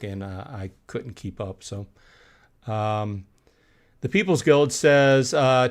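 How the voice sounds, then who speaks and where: The host, a middle-aged man, chats through a casual live stream, voicing viewers' messages between frequent fillers and pauses. Now and then he clears his throat, and his voice is fairly low.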